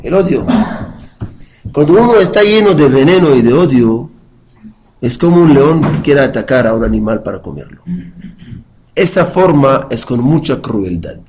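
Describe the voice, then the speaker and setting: A man's voice: medium pitch, lively intonation, moderate pace, pauses often, darkish tone, low-quality recording. A man teaching a Jewish study class, explaining patiently, putting questions to his listeners and chanting verses in Hebrew. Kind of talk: religious study lecture with a live class.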